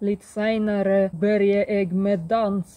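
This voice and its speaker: Dark, mellow tone in a woman's mid-range voice. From Russia. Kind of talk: casual vlog talk to camera.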